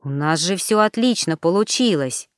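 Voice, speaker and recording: A woman's voice: lively intonation, moderate pace, no room sound, studio quality, lightly acted. A woman doing a weary, puzzled young man. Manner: tired, low-key, insistent questioning. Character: weary bewildered young man, trying to stay calm.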